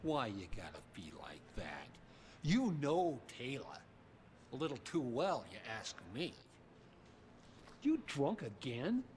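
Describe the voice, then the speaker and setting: An actor playing an exasperated but concerned streetwise older friend, scolding colloquially in a video game. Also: male voice, medium pitch, wildly swooping pitch, slow pace, long pauses, darkish tone. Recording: long reverberant hall, faint noise.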